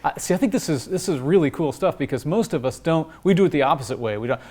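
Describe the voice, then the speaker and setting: A man's voice: fairly high pitch, expressive, fast, a little mellow. Affirming male talk-show host. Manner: affirming, frequent backchannel responses. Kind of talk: interview chat.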